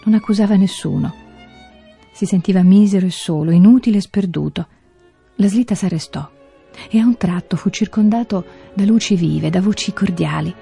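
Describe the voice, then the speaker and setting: Radio story reader, woman, measured pace, dark husky tone. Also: medium pitch, soft background music. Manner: slow, measured reading. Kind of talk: scripted narration.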